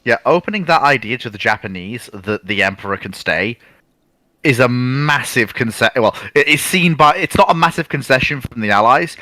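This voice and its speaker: A man with a bright, tense voice at middle pitch, recorded dry with no room sound. He co-hosts a casual history talk and rephrases his points haltingly as he goes. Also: expressive, no room sound, low-quality recording.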